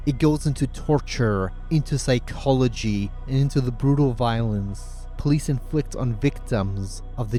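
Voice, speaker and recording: Male essay narrator, relaxed mid-range voice, casual and sardonic, faint music bed. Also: medium pitch. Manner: opinionated, sarcastic, casual swearing. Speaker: video essayist, host. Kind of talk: scripted video essay narration. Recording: music playing under the voice. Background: background music.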